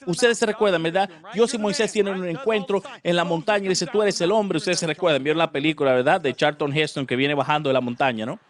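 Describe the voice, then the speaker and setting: A man preaching a sermon, telling the story in an animated way and acting out the characters. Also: on the high side, fast, few pauses.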